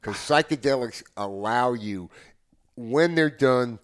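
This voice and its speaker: An American man in his seventies talking casually and earnestly as a podcast guest, often halting and repeating his words as he goes. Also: mid-range voice, clear, resonant tone. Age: 70s. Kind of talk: casual conversation.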